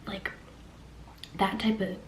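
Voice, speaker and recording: A young woman whispering a personal story in a chatty way, full of "like" fillers. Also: slow. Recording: echoey room with faint hiss.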